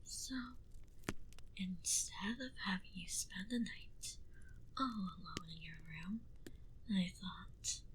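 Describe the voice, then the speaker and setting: A woman playing an aloof, condescending centuries-old vampire in an ASMR roleplay, speaking in a soft breathy whisper with slow, deliberate haughtiness. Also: medium pitch, slight background noise, poor audio.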